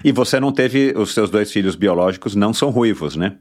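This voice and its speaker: A male host with a very low voice keeps the talk going with steady little affirmations. His questions run long and roam before they land. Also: a little fast. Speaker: interview host. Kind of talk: casual interview talk.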